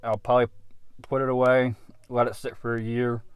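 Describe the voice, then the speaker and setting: A man in his thirties giving a casual off-the-cuff product review, halting and unhurried as he thinks aloud, recorded in a car. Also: medium pitch, level tone, clear, resonant tone, no echo. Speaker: pipe tobacco reviewer. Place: inside a parked car.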